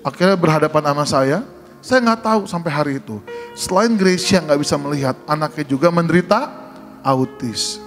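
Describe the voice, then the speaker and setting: A man's voice: fairly high pitch, a little fast, soft background music. A man preaching and telling a funny story, playing out the dialogue of the people in it. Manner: lively, jokes and acts out dialogue. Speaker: preacher giving a testimony. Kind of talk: humorous sermon storytelling.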